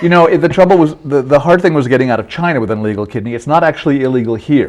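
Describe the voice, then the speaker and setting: A man with an American accent speaks at a very fast pace in a fairly high pitch. His intonation is lively, and noticeable background noise runs underneath. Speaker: author. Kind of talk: interview. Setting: studio.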